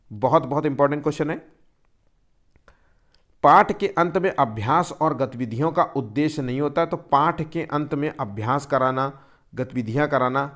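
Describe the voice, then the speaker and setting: A man's voice: medium pitch, a bit bright. A man teaching an exam-prep lesson, explaining step by step and posing questions he then answers himself.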